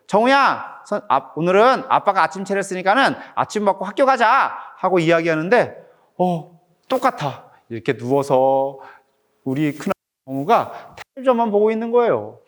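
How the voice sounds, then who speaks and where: A middle-aged picture book author with a slightly high voice reads his book aloud to children. He does it in an animated, teacherly way, repeatedly asking them questions.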